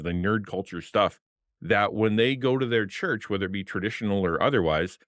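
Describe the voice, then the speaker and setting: A middle-aged man and former pastor with a deep voice, talking passionately as a guest on a video-call podcast at a desk mic. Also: dry recording, clean studio sound. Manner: passionate, animated, gestures with hands. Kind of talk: casual interview talk. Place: home streaming room with colored lights. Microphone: desk podcast mic on arm, headphones.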